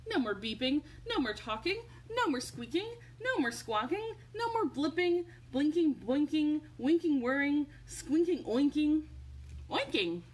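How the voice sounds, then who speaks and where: Woman as an exasperated little boy, high-pitched. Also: sing-song, unhurried. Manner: emphatic, pleading, exasperated. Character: sleepy, exasperated little boy scolding his robots to bed. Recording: home recording with faint background noise.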